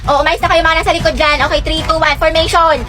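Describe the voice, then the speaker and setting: Woman, high voice, rapid gossipy skit delivery, loud music under her. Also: level tone. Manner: chatty, gossipy, dramatic. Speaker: comedy skit creator playing schoolgirl characters. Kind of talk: comedic skit acting.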